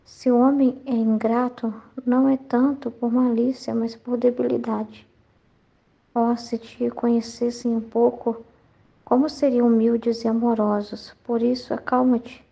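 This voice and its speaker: A woman slowly and reverently reading a devotional text aloud for a Catholic study group. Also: a little high, creaky, husky. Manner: slow, even, reverent reading. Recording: dull lo-fi sound.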